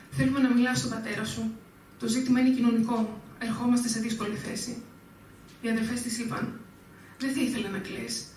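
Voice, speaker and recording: A woman giving a live poetry reading in a measured, even delivery at a literary event. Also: on the high side, slight background noise. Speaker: poet reading own work. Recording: very echoey room, speaker far from mic.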